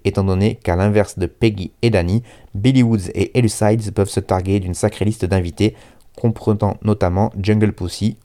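A man hosting a hip-hop radio show, with a lowish voice and a mellow, soft tone. His manner is casual and self-mocking, and he trips over his words now and then. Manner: reads a review aloud. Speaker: radio host.

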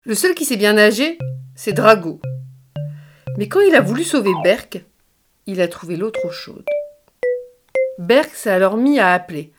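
A mother reading a children's bedtime story aloud into a phone, in a lively, sing-song storytelling manner. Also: medium pitch, a little slow, long pauses, music in the background.

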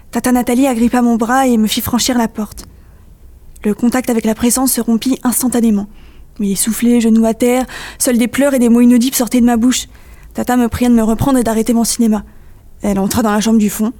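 Higher-voiced woman reading a ghost story. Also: steady tone, fairly quick, mellow. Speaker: guest reading her own story. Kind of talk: dramatic reading of a personal horror story.

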